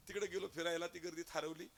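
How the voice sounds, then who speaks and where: Slightly high, creaky, and a bit bright, this man's voice carries a Marathi accent as he gives a devotional kirtan sermon. The preacher tells an amusing story, voices its dialogue, and breaks out into chanting.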